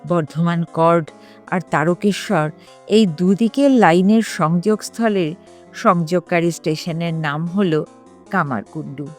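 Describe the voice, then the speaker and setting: A woman reads a story as dramatic, suspenseful narration, in measured phrases broken by pauses. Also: lowish voice. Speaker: storyteller reading a ghost story. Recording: music behind the voice. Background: background music.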